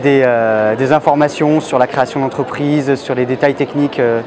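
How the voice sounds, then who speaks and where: A man in his thirties interviewed at a crowded indoor trade fair, speaking in a brisk, informative way. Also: mid-range voice, steady tone. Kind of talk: street interview. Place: busy indoor exhibition hall. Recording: busy crowd noise behind. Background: crowd chatter.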